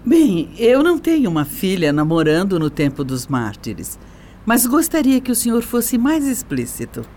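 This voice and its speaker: A woman's voice: medium pitch, very animated, moderate pace, dark tone, a little hiss or hum. An actress playing an arch, modern-minded married society lady and mother in a radio soap, speaking with pointed formality. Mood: arch, probing. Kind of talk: radio soap opera acting.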